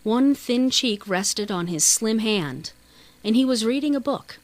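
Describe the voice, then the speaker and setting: A woman's voice: fairly high pitch, expressive, unhurried, no echo, poor audio. A woman reading a children's novel as scripted audiobook narration.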